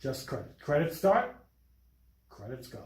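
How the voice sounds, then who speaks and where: A man's voice: mid-range voice, very animated, unhurried, darkish tone. A man on a film podcast panel talking casually and telling stories, often doubling back on the start of his phrases. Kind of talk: casual chat and anecdote. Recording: echoey room sound.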